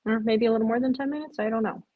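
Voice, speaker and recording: A woman's voice: a little high, fairly even intonation, racing, narrow, tinny audio. A woman hosting a live stream, chatting casually with viewers, sounding tired and rambling. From Chicago area. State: drowsy, yawning.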